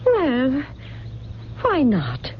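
An actress in a radio drama playing a genteel, gentle middle-aged invalid mother, wistful and hesitant in her speech. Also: high voice, wildly swooping pitch, drawn-out words, full character voice. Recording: dull, faintly noisy old radio broadcast.

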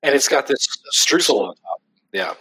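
A man's voice: mid-range voice, expressive, moderate pace, pushed and bright, breathy edge. A young adult man co-hosting a casual podcast chat, talking loosely with lots of fillers and easy laughs. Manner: chatty, laughs easily, frequent "like" fillers. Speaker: podcast co-host.

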